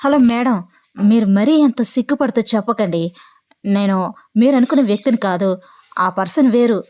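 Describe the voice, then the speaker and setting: A man's voice: high-pitched, normal speed, darkish tone, natural voice. A woman voicing a flustered young man on the phone, politely insisting it is a wrong number. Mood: exasperated. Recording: dull lo-fi audio.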